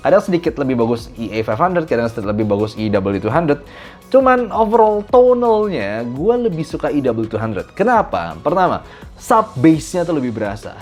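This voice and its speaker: A man from Indonesia giving a casual, animated spoken review of audio gear, mixing in English phrases. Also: fairly high pitch, normal speed, faint music behind.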